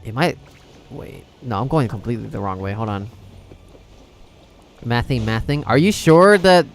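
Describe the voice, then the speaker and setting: A man's voice: medium pitch, animated, moderate pace, a little hiss or hum. A man livestreaming a video game, chatting casually with viewers and rambling as he thinks aloud.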